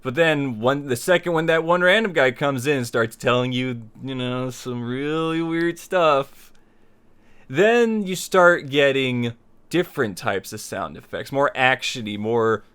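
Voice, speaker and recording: A man's voice: mid-range voice, fairly bright tone, clear, resonant tone. A man hosting a tutorial in casual, conversational talk to viewers, often rephrasing his points. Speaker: host of a tutorial series on making visual novels.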